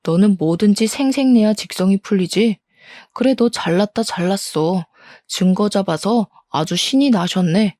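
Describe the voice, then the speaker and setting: A woman's voice: medium pitch, moderate pace, dark tone, no room sound, studio quality, lightly acted. A woman voicing a defensive, scornful cheating husband in a story reading. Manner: defensive, scornful, blame-shifting. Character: angry cheating husband, middle-aged man. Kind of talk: storybook role-play.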